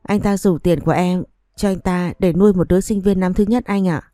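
A sly young wife who coaxes and begs, soft and sweet-talking, as a woman narrator voices her in an audiobook. The voice is low, warm and mellow, recorded close and dry. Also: fairly even intonation, a little fast, no room sound, soft background music, natural voice. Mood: pleading. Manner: coaxing and pleading. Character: scheming young wife, pleading, tearful, sly. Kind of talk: audiobook story reading.

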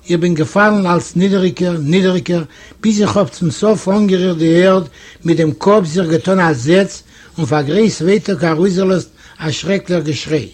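A man from Eastern Europe reading a classic story aloud in measured storytelling. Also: sits high, a little mellow. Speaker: audiobook narrator. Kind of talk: scripted literary narration.

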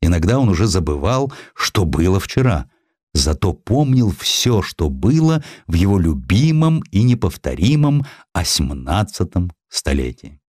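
A man narrating historical sketches for an audiobook in an expressive, theatrical and deliberately phrased style. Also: low voice, no room sound, studio quality.

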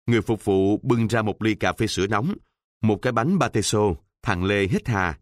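A man narrating a story in a steady, unhurried reading voice. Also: lowish voice, no echo, clean studio sound.

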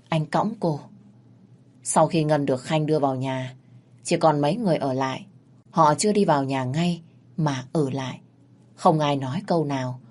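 A woman reading a scripted narration of a ghost story in a steady, measured way. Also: deep voice.

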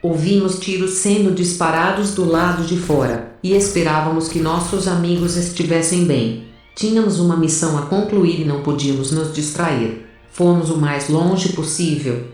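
Casting: actress as resolute soldier-narrator, low female voice, measured and grave, very reverberant audio drama sound. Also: steady tone, darkish tone, soft background music, close to an everyday voice. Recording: very echoey, distant from mic.

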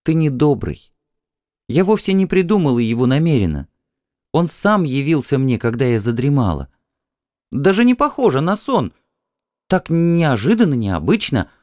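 A man voicing a dreamy, excitable Martian wife in an audiobook, breathless and wondering as she insists on her vision. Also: fairly high pitch, normal speed, dry recording, clean studio sound, pitched above the performer's own voice. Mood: dreamy, excited.

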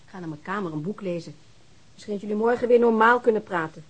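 Woman acting a sarcastic, fed-up, husky woman. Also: mid-range voice, fast talker, dull audio, natural voice. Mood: sarcastic, exasperated. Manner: mocking, exasperated. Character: sarcastic, fed-up woman scolding tough detectives. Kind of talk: radio drama acting.

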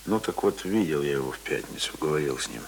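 A man's voice: rumbling low, animated, fast talker. A man acting a talkative, coaxing village brother in a naturalistic radio play, speaking colloquially and hesitantly. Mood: coaxing, explaining. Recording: hissy old radio recording.

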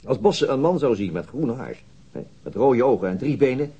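An actor playing a dogged, troubled police detective in a naturalistic radio drama, husky and deliberate, sometimes halting. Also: male voice, medium pitch, animated, mellow, highs cut off. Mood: troubled, pensive. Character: dogged, troubled male police detective recounting his inquiry.

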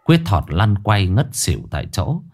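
A man narrating a folksy ghost story in a lively way. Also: lowish voice, moderate pace.

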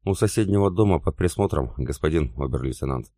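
A man's voice: rumbling low, expressive, fast, warm tone, no echo, studio quality, full character voice. A man reading the lines of a shrewd, seasoned German sergeant, plainly matter-of-fact.

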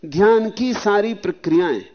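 A man giving a devotional spiritual discourse, speaking slowly and lingering on his phrases, reciting verses at a slow pace, then rising suddenly into high, emphatic lines. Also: lively intonation, muffled recording.

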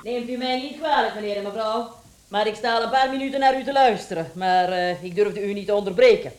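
A radio-drama charwoman, played by an actress, with a medium-pitched voice. She talks in a cheeky, familiar way, outwardly polite but brash and fearless underneath. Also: fairly quick, darkish tone, close to an everyday voice. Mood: servile, cheeky. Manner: cheeky, chatty, chuckling. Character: brash, chuckling, fearless charwoman with a sly streak.

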